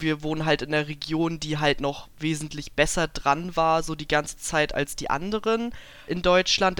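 A woman in her twenties, co-hosting a podcast and chatting in a relaxed way with frequent laughs. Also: low voice, clear, resonant tone, dry recording. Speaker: podcast co-host. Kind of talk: casual podcast chat.

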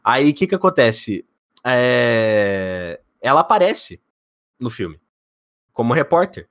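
Excitable young Brazilian man, dry close mic. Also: mid-range voice, slow, no echo. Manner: excitable and talkative, heavy slang. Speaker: podcast guest, video editor. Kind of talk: casual podcast chat.

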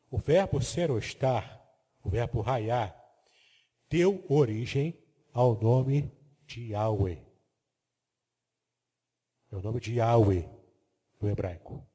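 Medium-pitched, warm, and slightly rough, a man's voice carries a long reverb tail as he teaches the Bible from slides. He explains terms step by step and checks that the listener is following along.

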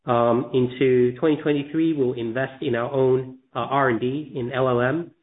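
A man's voice: medium pitch, steady tone, normal speed. Businessman answering over a phone line. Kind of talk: measured business answer on earnings call.

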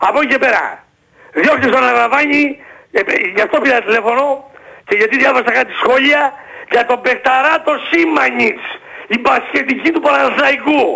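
A man playing a cranky older male basketball-fan caller who shouts and rants in a radio comedy sketch. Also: very high-pitched, vocal fry, full character voice, low-quality recording. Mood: shouting rant. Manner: shouting, ranting, insulting.

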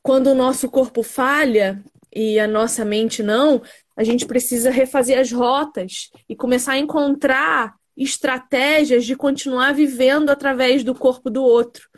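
A woman's voice: high-pitched, steady tone, unhurried. Woman interviewer. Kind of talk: interview questions.

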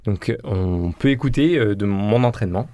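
A man's voice: fairly low pitch, lively intonation, normal speed, mellow. A man presenting a casual radio chronicle, jokey and self-mocking with frequent laughs, into a studio microphone. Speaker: podcast columnist.

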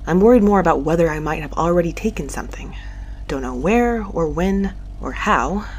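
An actress playing a wry, restless space mail courier in an audio drama, muttering and sardonic with a conversational delivery. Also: female voice, mid-range voice, darkish tone, a little hiss or hum, close to an everyday voice. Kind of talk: audio drama acting with first-person narration.

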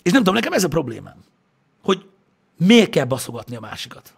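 A man's voice: a little high, big pitch swings, creaky, husky. A man in a casual chat, talking bluntly and profanely in heated rants.

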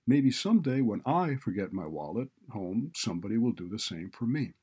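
A man voicing a kind, considerate man in a story, gentle but insistent. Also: lowish voice, sing-song, moderate pace, slightly rough. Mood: kind, urging. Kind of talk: audiobook character dialogue.

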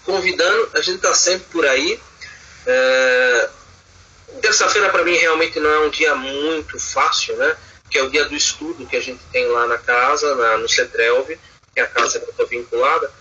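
A man's voice: on the high side, normal speed, sharp tone, husky, lo-fi sound. A man speaking earnestly as a guest in an online study group, hesitant with many fillers and restarts, over a video call.

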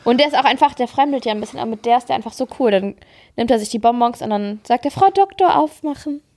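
A woman co-hosting a podcast, chatting casually and telling stories in a lively, self-mocking way. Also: on the high side, very fast. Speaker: podcast co-host. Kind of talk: casual chat.

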